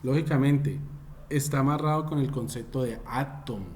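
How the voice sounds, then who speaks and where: A man's voice: mid-range voice, moderate pace, a little mellow, a little hiss or hum. A man teaching an online class over a video call, repeating and restating his points and calling on students by name.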